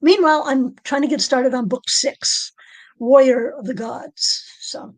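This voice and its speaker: A woman author with a low alto voice, speaking in a halting, soft-spoken way in a casual podcast interview. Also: no room sound, rough recording. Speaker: author guest.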